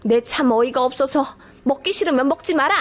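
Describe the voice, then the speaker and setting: A woman's voice: high-pitched, a little fast, natural voice. A woman voicing a harsh, scornful older mother-in-law who scolds sharply. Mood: contemptuous.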